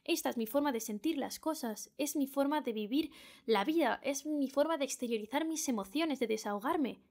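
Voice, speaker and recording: Earnest young Spanish woman, slightly high voice. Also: moderate pace, darkish tone. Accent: Spain Spanish. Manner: earnest, repeats phrases for emphasis, speaks straight to the listener. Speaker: podcast host. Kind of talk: solo advice podcast monologue.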